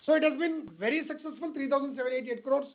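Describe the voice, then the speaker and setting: A man's voice: very high-pitched, fast talker. A man with an Indian accent answering investor questions as an executive, explaining emphatically and repeating phrases. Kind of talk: spontaneous earnings call answers. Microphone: conference call line. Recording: phone-like call audio with faint noise.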